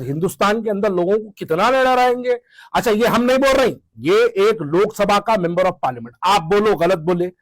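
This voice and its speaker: Fiery high-voiced man. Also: dry recording. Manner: fiery, sarcastic, rhetorical questions. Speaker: political commentator. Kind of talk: impassioned political commentary.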